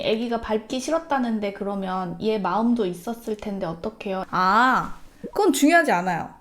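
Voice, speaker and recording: A woman hosting a casual chat, telling parenting stories in an animated way and acting out family members' lines. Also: on the high side. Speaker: YouTube host.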